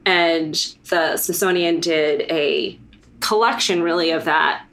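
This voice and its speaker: A woman's voice: deep voice, steady tone, slow, a bit bright. A woman from the United States, a guest in a podcast interview, talking in a loose, rambling way with many fillers and restarts. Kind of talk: casual interview chat.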